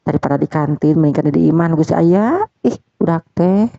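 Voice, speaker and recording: A woman's voice: sits low, lively intonation, brisk, vocal fry, warm tone, dry recording. A woman playing a nagging mother. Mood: scolding. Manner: nagging, scolding. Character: scolding mother of a grown daughter. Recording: dull dry lo-fi recording.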